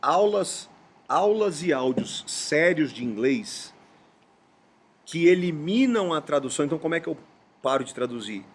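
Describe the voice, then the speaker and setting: A middle-aged man from Brazil, a podcast host and English teacher, explaining in a casual chat and stretching key words slowly for emphasis. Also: a little high, very animated. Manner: explanatory, storytelling with emphatic slow stresses.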